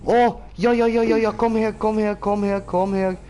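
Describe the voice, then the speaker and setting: A man with a Swiss German accent streams GTA Online with a friend, chatting casually and exclaiming and repeating words in bursts. His voice sits high and mellow with little pitch movement at a moderate pace, over a little hiss or hum.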